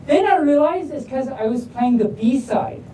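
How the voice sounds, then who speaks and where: A woman's voice: expressive, measured pace. A woman reading stories aloud to a live audience in a playful, silly way, rambling off into self-deprecating asides. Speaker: storyteller reading picture books to an audience. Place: large room at a live convention event. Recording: roomy, distant mic with faint rumble.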